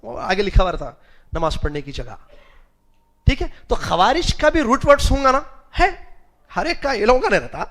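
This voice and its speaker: A high-voiced religious teacher lectures a class, stopping to quiz his students and chuckling at what they answer. His delivery is sing-song and a bit bright as he spells out Arabic root letters one by one and mixes English words into his explanations.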